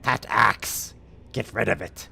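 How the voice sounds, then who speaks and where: Menacing hobgoblin soldier, man performing: curt fantasy-game orders, sharp gravelly edge, commanding. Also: on the low side, slow, exaggerated voice.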